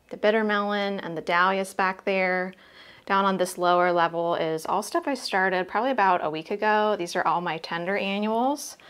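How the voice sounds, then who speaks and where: A woman's voice: mid-range voice, fairly bright tone. A middle-aged American woman gardening vlogger, chatting directly to viewers as she shows plants in a casual tour style. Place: home garden outdoors and inside the house.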